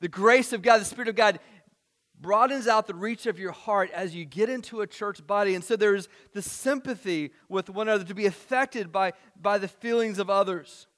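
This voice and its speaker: A male pastor preaching a sermon to his church, earnest, rising to emphatic points and then dropping soft. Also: high voice, normal speed.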